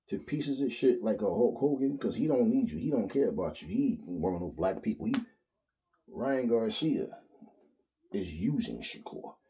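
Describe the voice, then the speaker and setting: A man, giving a blunt, profane, animated solo rant as a boxing commentary host. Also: mid-range voice. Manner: blunt, profane, animated, mimics others in quotes.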